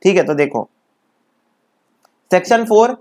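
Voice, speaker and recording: A man's voice: sits high, animated, measured pace, a little mellow. A man teaching an exam-prep law lecture, breaking definitions into phrases and asking his students to repeat them, then asking and answering his own questions.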